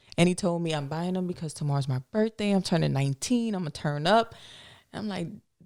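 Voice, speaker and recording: In a New Orleans accent, a woman with a fairly low pitch talks at a very fast pace with ordinary pitch variation. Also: very clean recording, silent background. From New Orleans, US South. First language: sign language. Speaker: podcast host's wife, luxury retail sales associate. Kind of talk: casual chat.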